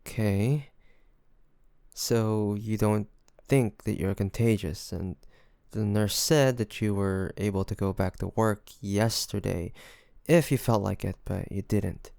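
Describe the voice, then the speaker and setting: A man playing a loving, worried boyfriend in an intimate roleplay audio drama, speaking gently and hesitantly in a pleading way. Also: lowish voice, fairly even intonation, slow, creaky, no room sound, studio quality. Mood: concerned, pleading. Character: loving, worried boyfriend coaxing his sick partner to rest.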